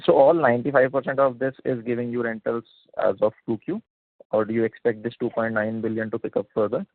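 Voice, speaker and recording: A man's voice: mid-range voice, little pitch movement, fast, dry recording. A man asking probing, clarifying questions as an analyst on an earnings call. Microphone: telephone conference call. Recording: dry, narrow phone line.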